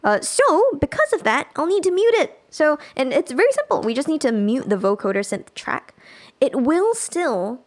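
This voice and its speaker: Female tutorial host, slightly high-pitched, casual and explanatory, thinks aloud while working through software. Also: very animated, moderate pace. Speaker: music production instructor.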